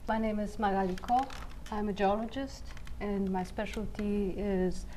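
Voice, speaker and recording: A woman's voice: mid-range voice, steady tone, measured pace, dark tone, a little hiss or hum. A woman from Venezuela speaking as a geologist on a panel, hesitant and full of fillers. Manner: hesitant, many fillers and restarts. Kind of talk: panel discussion.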